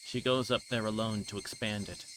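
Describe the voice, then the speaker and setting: A man livestreaming a visual novel, reading the game text aloud in a measured, slightly halting way. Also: on the low side, fairly even intonation, noisy background.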